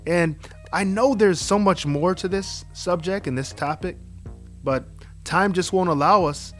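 Earnest male podcast host, higher voice. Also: measured pace, fairly bright tone, faint music behind. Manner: earnest, encouraging, gives advice. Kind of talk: casual podcast chat and interviewing.

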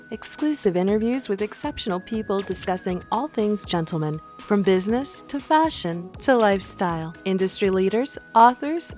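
A woman's voice: mid-range voice, a little mellow. A woman reading a scripted segment introduction in a polished announcer style.

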